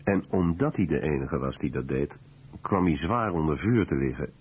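Really deep husky guy doing serious scripted voice-over, measured, kinda muffled recording. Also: animated. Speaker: documentary voice-over translator.

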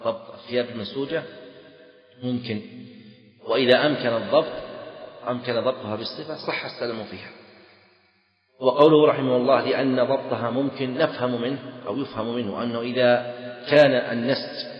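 A man's voice: mid-range voice, fairly quick, pauses often. A man teaching a lesson on a legal text, explaining by repeating key phrases and checking whether the students understand. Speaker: sheikh teaching fiqh. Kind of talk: classroom lecture on a legal text. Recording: echoey lecture hall, dull lo-fi sound.

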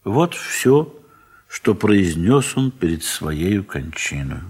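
Male literary narrator, theatrical and measured. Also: low-pitched, slightly rough. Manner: measured, expressive, theatrical phrasing with pauses. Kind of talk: dramatized literary narration, 1970s Soviet audio play. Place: recording studio.

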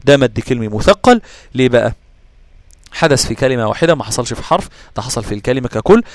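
A man with an Egyptian Arabic accent teaching Quran recitation rules, checking whether listeners follow with quick questions and answering his own questions. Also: medium pitch, animated, dry recording. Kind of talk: explaining tajweed rules to students.

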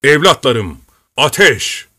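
A man's voice: medium pitch, expressive, normal speed, fairly bright tone, no room sound, close to an everyday voice. A man voicing an aging fort commander who gives fatherly, stern orders to his troops and family in a dry-sounding audiobook reading. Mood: commanding. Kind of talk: audiobook character voice.

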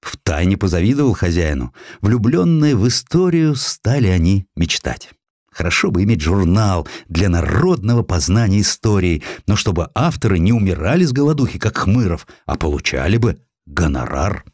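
A man reading a literary history audiobook in an expressive, theatrical storytelling manner, acting out the dialogue as he goes. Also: low voice, moderate pace, no echo, clean studio sound. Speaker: audiobook narrator. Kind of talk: expressive scripted literary narration.

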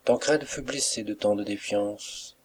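A man reading a novel aloud as an audiobook narrator, in a calm, measured way. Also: fairly low pitch. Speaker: audiobook reader. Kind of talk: scripted narration.

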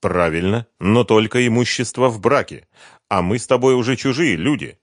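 A man's voice: mid-range voice, animated, normal speed, dry recording, clean studio sound, pitched above the performer's own voice, natural voice. A male audiobook reader voicing a stern, firm ex-husband who answers curtly. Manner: firm, curt. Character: stern wealthy man, firm and cold. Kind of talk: audiobook character voice.

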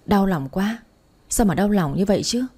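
Woman playing drunk heartbroken young woman, slurred pleading speech, mellow tone, storybook. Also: mid-range voice, lively intonation, moderate pace, breathy edge.

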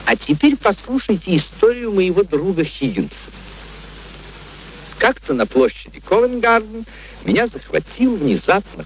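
An actor playing a genial, curious gentleman who narrates a radio play in an expressive, theatrical storytelling manner. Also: on the high side. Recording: noisy vintage radio play recording.

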